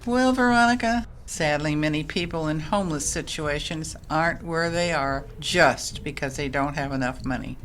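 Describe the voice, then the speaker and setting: An actress playing a kindly, patient Catholic sister in an audio drama, explaining things gently. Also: female voice, sits low, moderate pace, hardly any pauses, slight background noise.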